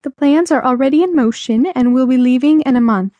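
A worried middle-aged mother, put on by a woman narrator in an audiobook. She speaks in a raised pitch, gentle, soothing and earnest but firm. The recording is dry. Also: brisk, no room sound, highs cut off, natural voice. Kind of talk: audiobook character dialogue.

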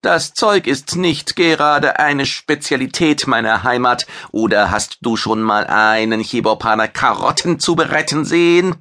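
A bragging horned alien cook, with a man putting him on speaks in a hard, clipped way. His voice sits well above the narrator's and comes out loud and proud. It is an audiobook figure who savours his own words. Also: medium pitch, animated, measured pace, hardly any pauses, voice pushed up. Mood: boastful. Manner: boastful, blustering.

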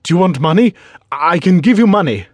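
A man voicing a frightened, frantic man pleading with an intruder, his voice pushed much higher than his own. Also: expressive, fairly quick, no room sound. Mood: panicked.

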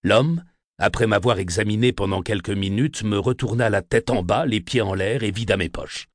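A male audiobook narrator with a fairly low voice, reading a classic novel in a measured, expressive way. The sound is close and completely dry, as from a studio booth. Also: no echo. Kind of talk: scripted literary narration. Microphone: close studio microphone.

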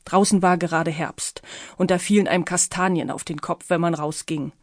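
A woman's voice: lowish voice, steady tone, moderate pace, dry recording, clean studio sound. Woman reading a children's audiobook. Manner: playful storytelling. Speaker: author and narrator.

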